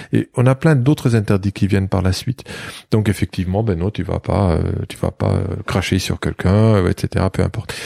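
A man speaks at a fairly low pitch in a dark, mellow tone with ordinary pitch variation. The sound is dry and close, with no echo. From East Germany. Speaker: sexologist and pastor. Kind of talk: interview conversation.

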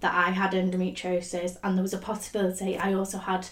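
Noticeable background noise fills the recording. Words pour out at a very fast pace. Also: woman. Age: 20s. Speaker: aspiring actress. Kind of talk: casual chat.

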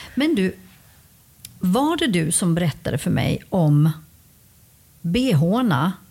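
At a very slow pace, a woman with a medium pitch uses very wide pitch swings and very even loudness, leaving long, frequent pauses over noticeable background noise. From Czech Republic. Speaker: podcast host. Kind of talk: interview, casual chat.

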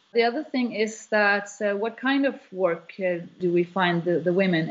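This woman has a Norwegian accent and a medium pitch. Her pitch varies in an ordinary way. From Norway. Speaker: entrepreneur. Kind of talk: interview. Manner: halting, many fillers.

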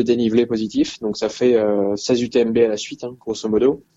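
At a moderate pace, a man talks in a monotone, flat intonation at a medium pitch. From Paris region, France. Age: 20s. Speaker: ultra-trail runner. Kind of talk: interview conversation. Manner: hesitant, frequent repetitions.

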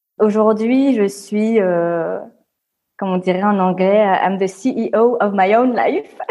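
At a very slow pace, a woman speaks with a dark, mellow tone, a medium pitch and ordinary pitch variation. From France. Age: 30s. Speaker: podcast guest sharing her layoff experience. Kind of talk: casual interview.

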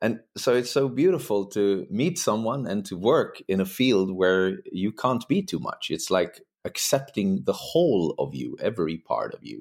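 With a Swedish accent, a man talks with hardly any pauses. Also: moderate pace. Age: 50s. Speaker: tantra teacher. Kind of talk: casual interview. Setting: remote call.

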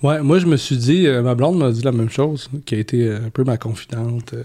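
A man's somewhat breathy, dark, mellow voice with a Quebec accent, medium pitch, ordinary pitch variation and a fairly quick pace. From Montreal, Quebec. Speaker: music journalist and author. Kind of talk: casual chat.

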